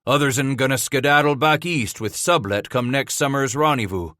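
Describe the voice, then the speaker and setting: A man's voice: medium pitch, normal speed, sharp tone, no room sound, clean studio sound, lightly acted. A man voicing a weathered, white-haired trapper who speaks bluntly in a backwoods drawl. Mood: gruff. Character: gruff weathered older male trapper.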